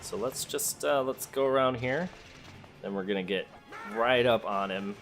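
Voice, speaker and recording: With soft music playing in the background, a man provides laid-back gameplay commentary as a let's play host, speaking to characters and reasoning aloud. At times he reads game text out loud, in a medium-pitched, fairly bright voice at a moderate pace.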